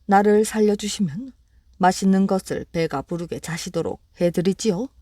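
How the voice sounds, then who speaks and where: A woman's voice: medium pitch, normal speed, dark tone, no echo, studio quality, lightly acted. A woman voicing a clever, sly little rabbit in a bedtime storybook reading, talking politely and persuasively. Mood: polite coaxing.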